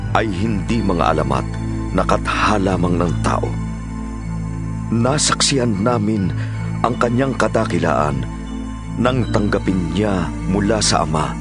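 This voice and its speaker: Low-pitched Filipino man reading scripture over music. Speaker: narrator of a dramatized Bible audiobook.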